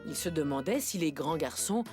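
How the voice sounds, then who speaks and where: Lady narrating a kids cartoon, lowish lively voice, music under it. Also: moderate pace. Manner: calm, storytelling. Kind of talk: scripted storybook narration. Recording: music behind.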